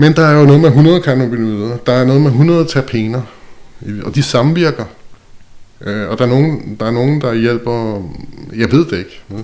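Long, frequent pauses from a man at a moderate pace, medium in pitch, with ordinary pitch variation. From Denmark, Gentofte (Copenhagen area). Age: 50s. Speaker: company director. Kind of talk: personal testimony in interview.

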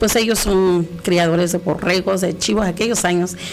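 At a moderate pace, a woman talks as noticeable background noise carries on. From Oaxaca, Mixteca region, Mexico. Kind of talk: interview conversation.

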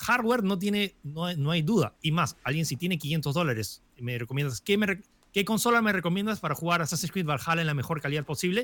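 Lively, high-pitched male speech at a fairly quick pace. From France. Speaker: video game critic. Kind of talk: interview.

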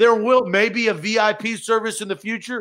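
Raised and projected, a man's voice carries a bright, sharp tone and high pitch. He keeps a moderate pace. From Nashville, Tennessee. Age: 30s. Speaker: sports talk host. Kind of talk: casual chat. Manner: animated.

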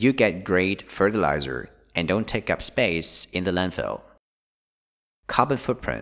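Over a silent background in a very clean recording, a man with a very deep, low pitch and vocal fry speaks at a fairly slow pace with lively intonation and long, frequent pauses. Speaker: English-learning podcast host. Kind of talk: reading aloud.

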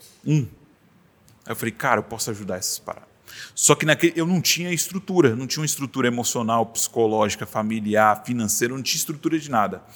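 Lively intonation carries the talking along at a very fast pace. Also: man, medium pitch for a man. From Brazil, Brasília (Ceilândia). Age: 20s. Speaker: aspiring politician and law student. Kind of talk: podcast interview.

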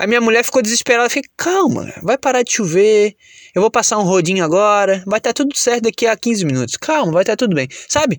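A man talks at a very fast pace with lively intonation. The sound is dry and close, without echo. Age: 20s. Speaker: podcast host. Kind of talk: casual monologue. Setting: in a car. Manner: halting, repeats words.

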